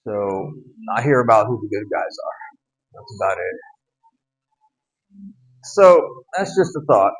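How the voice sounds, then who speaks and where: A man's voice: lowish voice, big pitch swings, unhurried, pauses often, breathy edge, low-quality recording. A man giving a casual, conversational Bible teaching in a home gym, with wry asides and small laughs.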